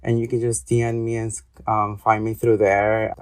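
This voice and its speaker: A man's voice: on the low side, monotone, normal speed, a little mellow, clean tone. A young adult man from Ecuador, an interview guest talking casually with hesitant, rambling speech and many fillers. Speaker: guest, artist and graduate student.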